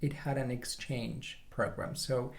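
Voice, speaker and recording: A young man from Chile with a Chilean Spanish accent, a pronunciation coach telling his own story in a relaxed way, with small restarts. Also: mid-range voice, unhurried, vocal fry. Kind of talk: casual personal story to camera.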